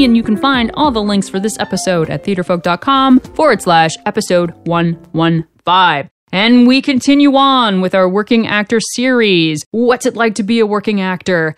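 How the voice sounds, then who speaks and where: A woman's voice: fairly high pitch, smooth, dry recording, clean studio sound. A woman hosting an interview podcast, a little sniffly from a mild cold. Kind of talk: podcast interview, spoken intro.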